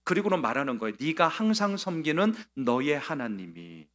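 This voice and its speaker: A man preaching a sermon as pastor, acting out quoted lines with sudden swings from soft to loud. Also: fairly high pitch, big pitch swings, normal speed. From South Korea. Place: church sanctuary.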